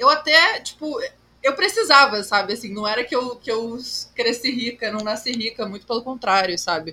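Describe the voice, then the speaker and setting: With a bright, sharp tone, a woman speaks at a fairly high pitch and moderate pace with ordinary pitch variation. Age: 20s. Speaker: visual artist and art director. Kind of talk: casual chat.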